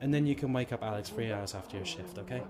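A man playing a no-nonsense army lance corporal in an audio drama, giving brisk orders. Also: lowish voice, a crowd in the background, close to an everyday voice. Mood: commanding. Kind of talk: amateur audio drama acting. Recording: noisy background ambience.

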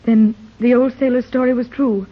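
A woman's voice: fairly high pitch, steady tone, moderate pace, lightly acted. An actress playing an earnest, polite wealthy mother searching for her lost daughter, in a 1930s radio drama. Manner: earnest and polite, easily startled. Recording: dull old 1930s radio recording.

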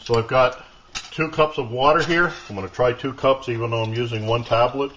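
A man giving a casual hands-on demonstration at a workshop bench, explaining each step in a plain, unhurried way. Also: mid-range voice, a bit bright. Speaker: outdoor gear video maker. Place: workbench in a home workshop. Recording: dull lo-fi camera audio.

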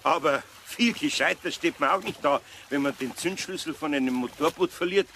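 An older Bavarian master craftsman, good-natured and a little sly. The voice is gravelly and rather high for a man, with a homely, admonishing way of talking, as in a children's radio play. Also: normal speed, fairly bright tone, slight background noise. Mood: teasing, admonishing.

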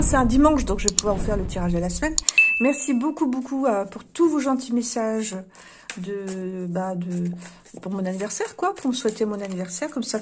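A woman with a fairly high, darkish voice lays out oracle cards in a casual tarot-style reading, with a little hiss or hum in the audio. She chats loosely with her viewers, full of fillers and wry little jokes.

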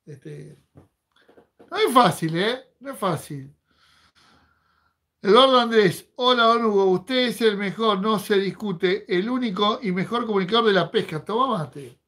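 Chatty Argentine man, high voice. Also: lively intonation, a little slow, sharp tone. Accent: Rioplatense Argentine Spanish. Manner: chatty, joking, reads comments aloud. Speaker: fishing livestream host. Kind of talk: casual livestream chat reading viewer comments.

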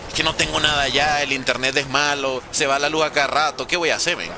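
A man's voice: fairly high pitch, steady tone, fast talker, noisy background. A man in his thirties from Venezuela with a Venezuelan Spanish accent, chatting casually as a gaming streamer while reading chat and humming little sounds as he plays. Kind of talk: live gameplay commentary reading chat.

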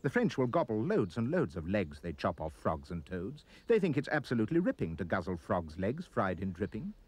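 A man reading a rhyming children's poem aloud as an expressive storyteller. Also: a little fast, slightly rough. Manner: expressive storyteller, swooping pitch. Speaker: reader.

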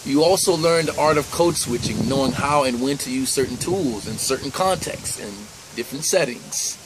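A man's voice: mid-range voice, moderate pace, background noise. A young man from the United States talking earnestly and conversationally to the camera in a personal vlog, recorded indoors close to the camera. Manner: earnest, conversational, with easy laughs. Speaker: vlogger. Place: indoors by a plain wall.

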